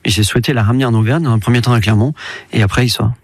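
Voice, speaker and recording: A man being interviewed on radio as a company head, explaining eagerly with quick restarts and repeated words. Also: medium pitch, darkish tone, no room sound. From France. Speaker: company CEO, interview guest.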